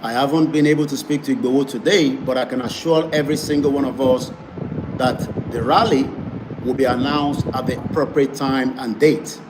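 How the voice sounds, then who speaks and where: A man hosts an online campaign broadcast, pressing his points in an emphatic, repeating manner. His voice sits at an ordinary pitch. Clear background noise runs under the recording. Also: fairly even intonation, normal speed. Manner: emphatic, repetitive campaigning delivery. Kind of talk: advocacy broadcast. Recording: noisy background.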